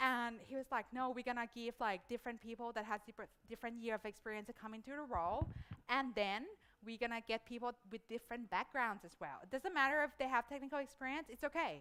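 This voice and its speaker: Her voice is high-pitched, with a bright, sharp tone. The woman talks at a very fast pace with ordinary pitch variation. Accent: non-native. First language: not English. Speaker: conference speaker, cloud solution architect. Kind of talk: conference talk. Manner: halting.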